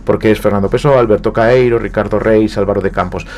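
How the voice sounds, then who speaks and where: Reflective Spanish man, low voice. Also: steady tone, fast talker, darkish tone. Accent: Spanish, from Spain. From Galicia, Spain. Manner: reflective, with frequent hesitations and repeated words. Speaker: guest writer. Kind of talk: radio interview conversation. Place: radio studio.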